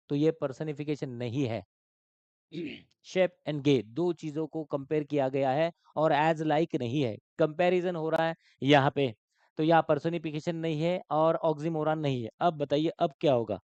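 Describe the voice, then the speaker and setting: A man's voice: a little high, normal speed, darkish tone, no echo. Dry, dull-sounding teacher, a man. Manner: questioning, repeats terms, mixes English terms into Hindi. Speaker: exam-prep English teacher. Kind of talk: live online class.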